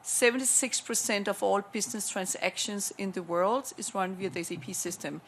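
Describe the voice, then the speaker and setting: A woman's voice: medium pitch, normal speed, a bit bright, a little hiss or hum, rough recording. A woman from Denmark with a Danish accent, speaking on a conference panel, enthusiastic and persuasive as she rattles off figures. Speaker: panelist, corporate innovation lead. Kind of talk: panel discussion remarks. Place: conference room at a panel event.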